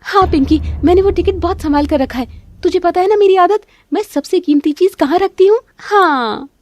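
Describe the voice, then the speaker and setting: A woman voicing a cheeky, bubbly young daughter-in-law in an animated family cartoon. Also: very high voice, measured pace, no echo, clean studio sound, voice pushed up. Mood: smug. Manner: teasing, giggly, bubbly.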